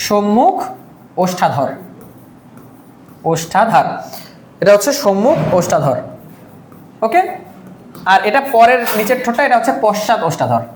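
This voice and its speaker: A woman leads a live online exam-prep class at a fast clip. She repeats each key term several times and asks and answers her own questions. Her voice carries a roomy echo with faint background noise. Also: medium pitch, very animated, a little mellow. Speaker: teacher.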